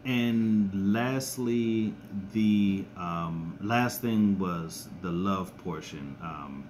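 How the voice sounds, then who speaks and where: Low-voiced raspy man, live-stream chat. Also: slight background noise. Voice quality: raspy and monotone. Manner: halting, many ums and restarts. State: scratchy throat from a cold. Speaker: YouTuber doing a live stream. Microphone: close to the screen and device.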